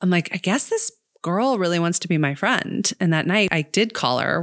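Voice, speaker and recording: This woman has an American accent. Her intonation rises and falls in a lively way. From US South, New Orleans. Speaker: podcast host and life coach. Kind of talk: personal storytelling.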